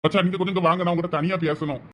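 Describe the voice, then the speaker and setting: Man doing a husband calming everyone down, thoothukudi accent, highish quick voice. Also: a little hiss or hum, lightly acted. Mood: placating. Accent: Thoothukudi Tamil. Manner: firm, placating. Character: calm middle-aged husband trying to make peace.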